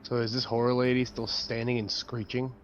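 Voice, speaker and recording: A man's voice: mid-range voice, level tone, a little fast, faint music behind. A man talking casually as a tabletop game player, heard through dull lo-fi audio.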